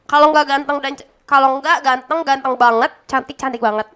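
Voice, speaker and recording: A woman's voice: high-pitched, steady tone, brisk, fairly bright tone. A young woman, a gaming caster chatting bluntly as a podcast guest. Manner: chatty, blunt, laughs often. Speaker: guest, esports caster and streamer. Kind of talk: casual podcast interview.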